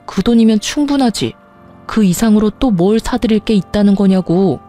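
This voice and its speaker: A woman's voice: medium pitch, normal speed, mellow, soft background music, close to an everyday voice. A woman voicing a defensive, irritated husband who argues back with his wife. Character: defensive, sulky young husband.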